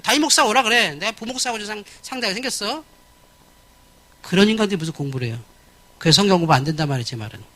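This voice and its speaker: A man in his fifties, a pastor giving a church lecture in a blunt, animated way, often acting out other people's voices. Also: high-pitched, very fast, long pauses. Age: 50s.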